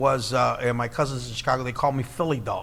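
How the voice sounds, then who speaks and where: A man with an American accent speaks over noticeable background noise, with audible echo from the room. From Iowa, south side of Des Moines. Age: 60s. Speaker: comedian. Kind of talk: casual chat. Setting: stage with audience.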